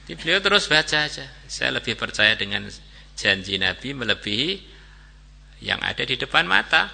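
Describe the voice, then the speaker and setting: A male preacher telling a story in a relaxed, colloquial sermon and chanting short Arabic verses along the way. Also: mid-range voice, normal speed, creaky.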